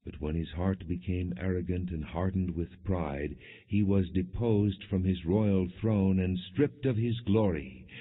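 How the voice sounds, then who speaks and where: A man narrating scripture as an audiobook in a solemn, measured way with deliberate pauses. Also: low-pitched, slightly rough. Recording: muffled phone-like lo-fi audio.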